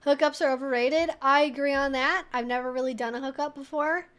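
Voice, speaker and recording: Female streamer, high-pitched voice, informal and wry, reacting aloud to viewer messages. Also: fairly even intonation, a little fast, fairly bright tone. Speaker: livestream host answering viewer chat. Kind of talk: casual livestream chat.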